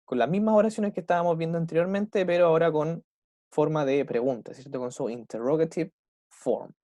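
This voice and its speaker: A man's voice: a little high, dark tone, no echo, studio quality. Patient Chilean male English teacher. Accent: Chilean Spanish. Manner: patient, repeats example sentences slowly, frequent tag questions. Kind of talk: online class explanation.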